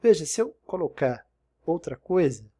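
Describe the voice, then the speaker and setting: A man teaches English in a patient, explanatory way and often checks in with the listener. His voice sits a little high but has a dark, mellow tone. It sounds like a recorded screen-share lesson. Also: very animated, moderate pace, husky.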